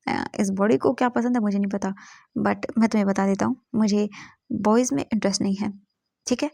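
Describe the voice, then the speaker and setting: A woman voicing a cheeky, brash young man who teases and mocks with quick retorts. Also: medium pitch, steady tone, vocal fry, a little mellow, no echo. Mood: teasing, brash. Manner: playful, mocking, quick retorts.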